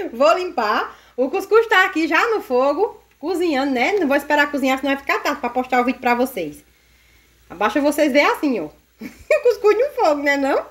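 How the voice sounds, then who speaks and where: A woman vlogging casually while she cooks at the stove at home, loud and chatty, laughing often. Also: high voice, very animated, moderate pace. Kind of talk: casual chat while cooking. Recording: echoey kitchen, mic set far off.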